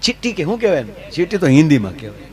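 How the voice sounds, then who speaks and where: High-voiced Kathiawadi Gujarati storyteller. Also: male voice, big pitch swings, rapid-fire, a little mellow. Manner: chatty, addresses the crowd directly. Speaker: folk stage storyteller. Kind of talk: stage comedy storytelling.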